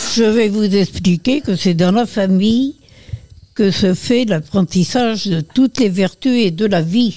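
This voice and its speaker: A woman speaks at a very slow pace with a medium pitch, ordinary pitch variation and very even loudness. Her tone is dark and mellow and somewhat breathy. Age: 80s+. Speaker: care home resident. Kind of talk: reminiscence. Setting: recording in a care home.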